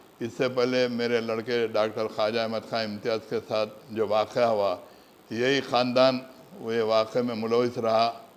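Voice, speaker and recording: The speaker is a man with a medium pitch. He talks with monotone, flat intonation. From India, old city of Hyderabad. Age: 70s. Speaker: politician. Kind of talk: media statement.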